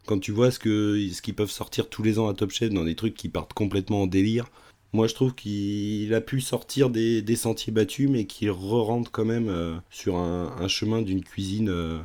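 Low-voiced rambling young man. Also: mellow. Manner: rambling, fillers like "genre" and "tu vois". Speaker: podcast co-host. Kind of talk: casual film discussion.

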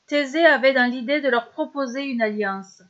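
High-voiced woman telling a story. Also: muffled recording. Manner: steady, measured storytelling. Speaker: narrator. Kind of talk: scripted story narration.

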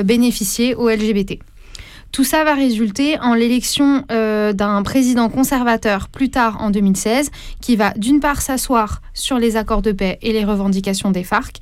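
A woman's voice: on the high side, darkish tone, clear, resonant tone, no room sound. Hesitant woman reading a radio review. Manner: hesitant, many fillers. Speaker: radio columnist.

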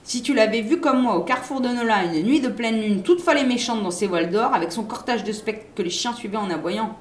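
A woman's voice: fairly high pitch, brisk, a little hiss or hum, lightly acted. A superstitious old nurse, fussy and scolding, her words pushed out with force, as a woman reading a storybook puts her on. She fusses over gods and omens. The reading carries a roomy echo. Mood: frightened. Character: fearful, superstitious older female nurse.

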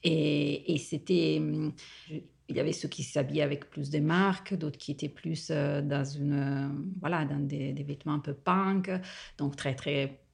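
A woman's voice: low-pitched, fairly even intonation, a little slow, creaky, a little mellow, slightly rough. A middle-aged woman from northern Italy with an Italian accent, talking casually as a podcast guest, hesitant, with many fillers and restarts. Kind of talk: casual interview talk.

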